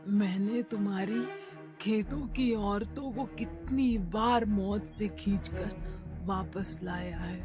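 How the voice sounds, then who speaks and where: A woman playing a slow-spoken, dignified old village midwife. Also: mid-range voice, close to an everyday voice. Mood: wounded defiant. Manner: pleading yet firm, solemn. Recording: loud music behind the voice.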